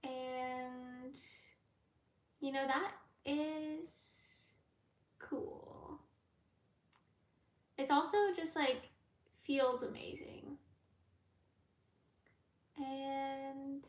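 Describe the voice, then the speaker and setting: A high-pitched woman talks slowly and unhurriedly, answering viewer questions on a live stream in a loose, rambling manner full of ums and likes. Her voice bounces around a roomy, echoing space. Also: fairly even intonation. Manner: rambling, laid-back, with frequent fillers. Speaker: tarot reader and YouTuber. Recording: echoey room.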